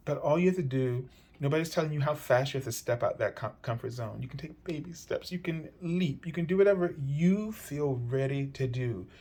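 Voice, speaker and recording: Man giving a gentle, rambling tarot reading. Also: on the high side, a little fast, few pauses. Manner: meandering, gentle, many fillers and restarts. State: slightly hoarse. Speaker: tarot reader. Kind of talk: weekly tarot card reading.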